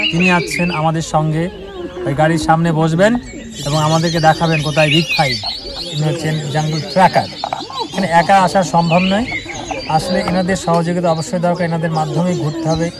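Loud background noise surrounds a man speaking. His intonation is fairly even, and the sound is dry with no echo. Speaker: travel vlogger. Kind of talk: travel vlog narration to camera. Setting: outdoors in a safari vehicle. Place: open country. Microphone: lapel.

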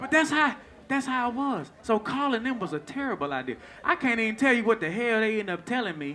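The speaker's raised, projected voice has an animated tone and very wide pitch swings. The pace is fairly quick, with light background noise. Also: man. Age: 30s. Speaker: stand-up comedian. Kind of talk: stand-up comedy, profane, crowd-work riffs on turning 35, church and drugs. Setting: stage with audience. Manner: animated, loud, rapid-fire, with stammering restarts and crowd-baiting swearing; comic rants with abrupt pauses, laughing at his own bits. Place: stage. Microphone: handheld.

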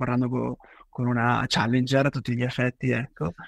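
The recording of this man sounds dry and close, with no echo. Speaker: podcast host. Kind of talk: casual interview chat.

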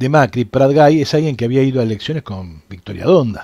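A man's dark, mellow tone with lively intonation, a dry sound with no echo and a quiet background. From Argentina. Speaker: political speaker and historian. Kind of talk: lecture with audience Q&A. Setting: live stream. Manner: hesitant, many fillers. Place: home room. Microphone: headset.

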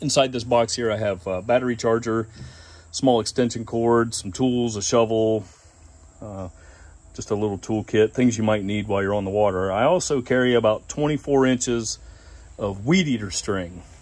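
His pitch moves in an ordinary way as the man speaks at a moderate pace. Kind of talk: casual walk-around review. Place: garage. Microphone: phone near.

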